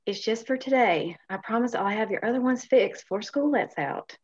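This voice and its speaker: A patient, firm mother acted by a woman with a fairly high, husky voice. The audio is dull and lo-fi, as from a remote table read. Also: moderate pace, darkish tone. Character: patient, firm mother soothing her son.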